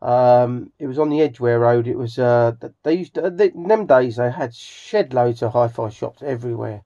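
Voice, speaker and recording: A middle-aged man with an English accent gives a casual, rambling vlog narration in a halting, hesitant manner. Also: mid-range voice, mellow. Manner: halting, hesitant, with frequent throat clearing. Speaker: hobbyist video host. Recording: slightly dull home recording.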